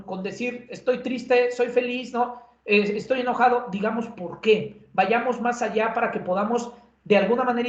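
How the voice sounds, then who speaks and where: A man with a Mexican accent giving a conversational lecture as an instructor, with many filler sounds and tag questions. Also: high-pitched. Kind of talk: lecture on communication. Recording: roomy, dull lo-fi sound.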